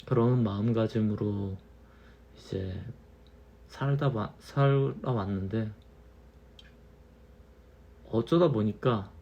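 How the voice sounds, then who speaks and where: A man in his thirties, a little tipsy from wine, musing slowly in a casual monologue and repeating his phrases. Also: lowish voice, creaky, warm tone, lo-fi sound. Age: 30s. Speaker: channel host.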